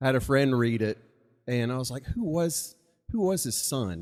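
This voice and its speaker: Lively in intonation, a man with a slight Southern US accent talks at a fairly quick pace. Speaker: open mic storyteller. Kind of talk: personal storytelling at open mic. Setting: live open mic with audience. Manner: casual, conversational.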